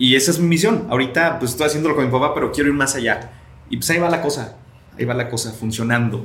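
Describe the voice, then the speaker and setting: Over noticeable background noise, the speaker talks very fast with ordinary pitch variation. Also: man, medium pitch for a man. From Mexico, Jalisco region. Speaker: radio host. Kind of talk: casual chat. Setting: studio.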